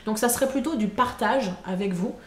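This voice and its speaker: A woman's voice: on the high side, fairly quick. A woman chatting casually in a vlog recorded at home on camera, hesitant, with lots of fillers and self-corrections. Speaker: vlogger. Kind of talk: casual monthly vlog chat. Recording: echoey room with faint background hum.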